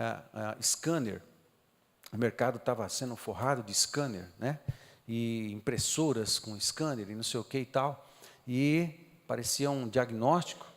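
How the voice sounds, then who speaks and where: A Brazilian man preaching a sermon, telling a story with feeling and swinging from quiet low talk to loud high cries. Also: long reverb tail. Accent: Brazilian Portuguese. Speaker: pastor. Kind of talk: sermon testimony. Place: church hall.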